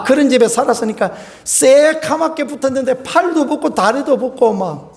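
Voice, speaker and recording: A pastor in his fifties preaches with a high, light voice. He tells a homely personal story in a folksy, animated way, chuckling as he goes.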